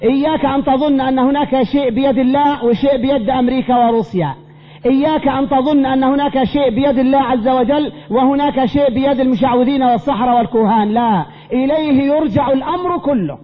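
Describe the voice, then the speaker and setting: A man's voice: extremely high pitch, quick pace. A man, a sheikh teaching a creed class, insistently quizzing his students and repeating emphatic phrases. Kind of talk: classroom religious lesson. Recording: reverberant hall, dull lo-fi, faint hum.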